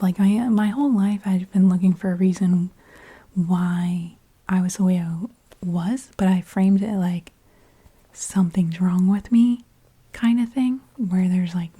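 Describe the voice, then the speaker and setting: A woman speaks in a hushed, mostly whispered ASMR style. Her voice is breathy and airy, with a very mellow, muted tone at a middling pitch. She shares a personal story informally, pausing and restarting in a confiding way. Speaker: ASMR video creator.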